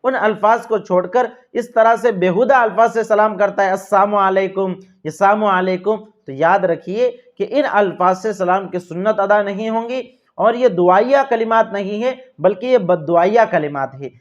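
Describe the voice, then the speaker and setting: A man with a Pakistani Urdu accent giving earnest, repetitive religious instruction and addressing viewers as dear friends. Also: high voice. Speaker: religious teacher. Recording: dull lo-fi sound.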